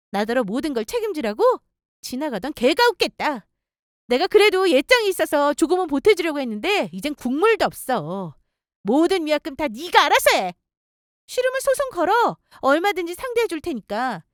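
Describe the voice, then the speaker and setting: Woman as angry young fiancée, high voice, wildly animated, scornful, sharp-tongued, defiant, story drama. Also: no echo, studio quality.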